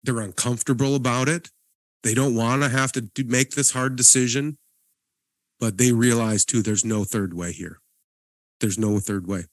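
Earnest podcast guy, mid pitch, dry close mic, keeps restarting sentences. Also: fairly even intonation, normal speed, no echo. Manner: earnest, encouraging, frequent restarts. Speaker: podcast co-host, guest pastor. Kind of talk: casual podcast conversation.

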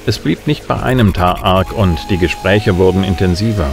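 An actor playing a cocky middle-aged bounty hunter who flirts smoothly and narrates wryly in a sci-fi audio drama. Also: male voice, deep voice, normal speed. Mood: wry, laconic. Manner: wry, laconic. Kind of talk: first-person noir narration and dialogue in German sci-fi audio drama. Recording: music behind the voice.

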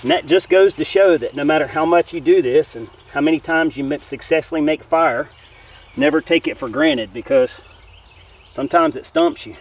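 Working with his hands at a forest campsite, a relaxed bushcraft host in his forties gives casual outdoor instruction at normal speed in a slightly high voice. A camera a few feet away picks him up a bit distantly, with faint outdoor noise behind.

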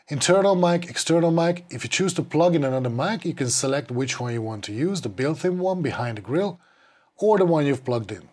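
A man's voice: mid-range voice, darkish tone. Man in his 40s walking through mic settings, matter-of-fact, clip-on mic in a small dim room. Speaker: podcast gear reviewer. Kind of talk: scripted product review. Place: small dim studio, indoors. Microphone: clip-on wireless mic.

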